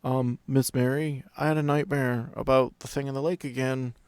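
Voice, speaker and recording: A man's voice: medium pitch, steady tone, normal speed, a little mellow, smooth, no room sound, pitched above the performer's own voice, natural voice. A man voicing a timid fourteen-year-old boy in a tabletop game, hesitant and pleading. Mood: scared, pleading.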